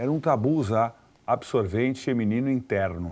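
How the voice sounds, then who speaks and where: The tone is dark and mellow. The pace is moderate. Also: man. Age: 60s. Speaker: advertising executive. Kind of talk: interview.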